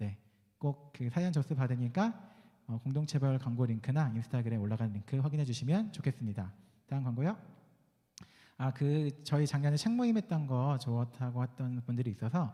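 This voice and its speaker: A man with a dark, mellow tone speaks at a moderate pace. His voice is somewhat breathy, with lively intonation. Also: medium pitch for a man. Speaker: pastor. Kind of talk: church announcements.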